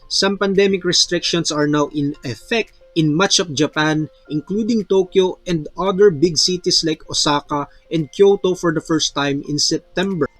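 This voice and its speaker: This is a man hosting an online news channel. His voice sits a little higher than most men's. He reads reports aloud in English and switches to friendly Taglish asides for his viewers. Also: fairly bright tone. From Philippines. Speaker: channel host reading news. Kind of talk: news reading with Taglish commentary.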